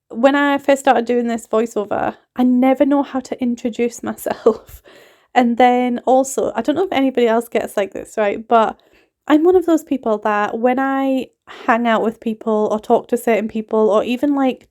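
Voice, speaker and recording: This cleaning vlogger, a woman in her thirties, has a high-leaning, darkish voice and an accent that mixes northeast English with Scottish. In her relaxed voiceover she rambles on and laughs a lot.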